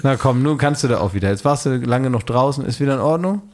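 A man's voice: mid-range voice, fast talker, a little mellow. Male podcast co-host, easygoing, needling, moderator of the chat. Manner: teasing, prompting the story along. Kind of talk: casual chat.

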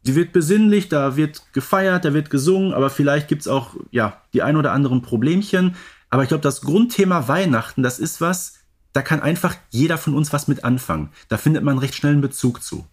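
A man's voice: fairly high pitch, brisk. A man co-hosting a podcast in casual, unscripted conversation. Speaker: podcast co-host.

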